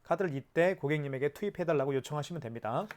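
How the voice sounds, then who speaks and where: Male presenter, rapid speech, slightly high pitch, instructive, step-by-step demonstration, checks in with questions. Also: expressive, a little mellow. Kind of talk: hands-on tutorial explanation.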